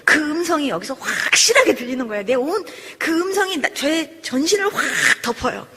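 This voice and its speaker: Woman pastor, high voice, emotional testimony with acted-out dialogue; long hall reverb. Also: brisk, noisy background. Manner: animated storytelling, acts out quoted dialogue, voice rises into pleading.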